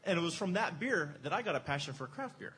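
A man's voice: fairly high pitch, expressive, quick pace, bright, forceful tone, slight background noise. A man from Erie, co-hosting a beer show in casual chat, enthusiastic and jokey, poking fun at himself. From Erie, Pennsylvania. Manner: enthusiastic, jokey, self-deprecating.

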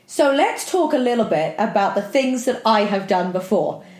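Young woman, husky tired voice, chatty upbeat podcast host, echoey room. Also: mid-range voice, lively intonation, normal speed, darkish tone. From Britain. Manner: chatty, upbeat, self-deprecating. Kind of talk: casual motivational podcast monologue.

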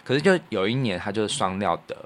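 Low-voiced Taiwanese man chatting reflectively. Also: animated, quick pace, fairly bright tone. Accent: Taiwanese Mandarin. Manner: earnest, reflective, colloquial. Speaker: podcast co-host and radio professional. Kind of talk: casual conversational storytelling.

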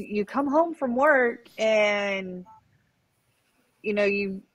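A woman in her thirties speaks slowly and haltingly, circling back with fillers as she reflects. Her voice sits in a middle register, and the sound is close and dry. She talks as a guest in a relaxed, candid chat. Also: mid-range voice, no room sound, low-quality recording. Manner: hesitant, lots of fillers and restarts. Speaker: podcast guest. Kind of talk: candid conversational storytelling.

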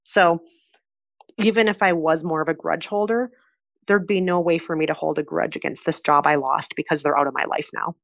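A woman in her thirties from Minnesota with a Minnesota accent, answering interview questions in a chatty, animated way with frequent fillers and laughter. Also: low voice, moderate pace, vocal fry, no room sound. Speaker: podcast host, interviewee. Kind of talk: conversational interview.

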